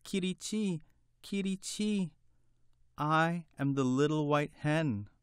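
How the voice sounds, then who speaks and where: A man's voice: mid-range voice, lively intonation, unhurried, smooth, no echo, studio quality, voice pushed up, lightly acted. A man voicing a timid little white hen with a small, frightened, chirping voice in a storybook reading.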